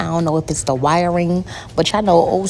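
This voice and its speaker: Through noticeable background noise, a woman talks at a fairly quick pace with a fairly low pitch and ordinary pitch variation. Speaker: nail technician. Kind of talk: tutorial voiceover. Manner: casual, chatty.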